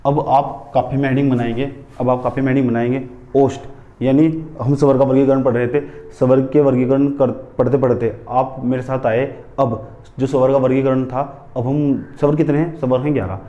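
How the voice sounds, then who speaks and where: Speaking a little fast with little pitch movement, a man with a mellow, medium-pitched voice runs a Hindi grammar class. He dictates headings for students to write, repeats key terms, and answers his own questions. The sound is lo-fi.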